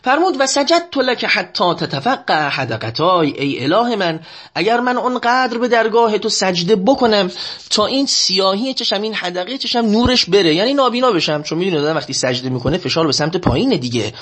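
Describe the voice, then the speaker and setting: Male preacher, husky and high, very lively pitch. Chants prayer lines slowly, explains them faster, keeps urging listeners to pay attention. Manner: slow, drawn-out chanting of Arabic lines, then quicker plain explanation. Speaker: religious lecturer. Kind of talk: sermon explaining Arabic prayers.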